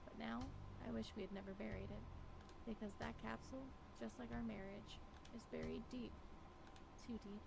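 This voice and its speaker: Woman acting as regretful lonely wife, high creaky voice, wistful, brooding, visual novel, noisy recording with ambience. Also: flat delivery, moderate pace. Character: Violet, lonely regretful wife wandering a forest. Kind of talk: scripted visual novel monologue. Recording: clearly noisy, with ambience behind.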